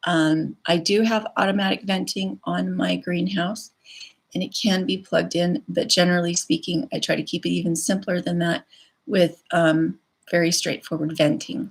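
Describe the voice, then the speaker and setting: A woman's voice shows vocal fry and sits fairly low in pitch. She keeps a moderate pace. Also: ordinary pitch variation. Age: 40s. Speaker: homesteader and gardening channel host. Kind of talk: live stream talk with chat. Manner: casual, many filler ums.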